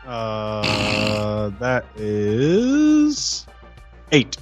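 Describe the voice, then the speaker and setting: A man's voice: lowish voice, expressive, drawn-out words, faint music behind. A man playing a tabletop role-playing game, talking casually with blunt, joking remarks. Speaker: podcast player.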